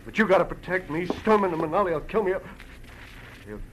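An actor playing a terrified, cringing underworld informant in an old radio crime drama, pleading and jittery. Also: male voice, high-pitched, sing-song, a little fast, slight background noise, rough recording. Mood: frightened.

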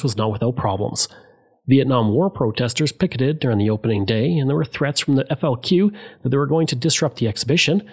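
A man narrating a scripted history documentary, telling it in a lively storytelling way. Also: mid-range voice, slightly rough. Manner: lively storytelling, reads out quotes.

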